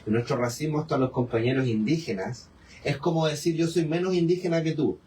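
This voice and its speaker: A man's voice: on the high side, steady tone, a little fast, warm tone. A man with a Chilean accent moderates a live panel, pressing his points with emphatic rhetorical questions. He is captured from a distance in a forum hall. Faint room noise sits behind him. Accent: Chilean Spanish.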